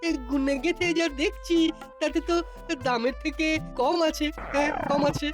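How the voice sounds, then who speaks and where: A woman's voice: high-pitched, normal speed, close to an everyday voice. A woman playing a flustered, complaining snack-stall shopkeeper in a cartoon, exclaiming with indignation. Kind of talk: cartoon voice acting. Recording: music behind the voice.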